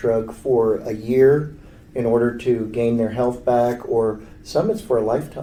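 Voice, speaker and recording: In a room with audible echo, a man speaks at medium pitch, fairly slowly, in a monotone, flat way. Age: 60s. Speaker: specialty pharmacy worker. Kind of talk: casual interview. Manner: hesitant, many fillers.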